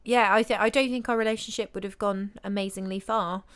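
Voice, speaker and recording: A woman's voice: mid-range voice, steady tone, a little fast, smooth. A young woman with a giggly, blunt, sassy manner, chatting casually as a podcast co-host. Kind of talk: casual chat.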